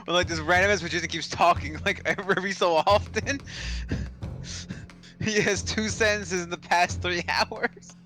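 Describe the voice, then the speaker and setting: Bright, giggly young-sounding man. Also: high-pitched, normal speed. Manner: giggly, excitable, stumbling. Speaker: streamer. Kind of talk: casual stream chat. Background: game music.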